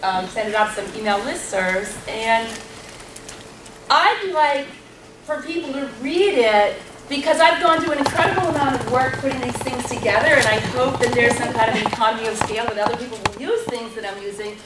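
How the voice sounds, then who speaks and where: A woman speaking on a workshop panel, with a loud, lively voice and a storyteller's animated manner. She is a little high-pitched and is caught from far off in an echoey room, with clear background noise. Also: brisk. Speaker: panelist, math circle leader. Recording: roomy hall sound from a distant mic, noisy.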